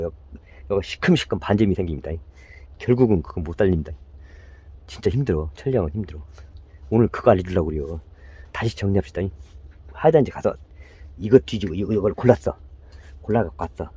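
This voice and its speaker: A man's voice: fairly low pitch, warm tone, breathy edge, no room sound. A man giving a casual, repetitive how-to on caring for a potted plant, talking straight to viewers. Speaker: plant care instructor.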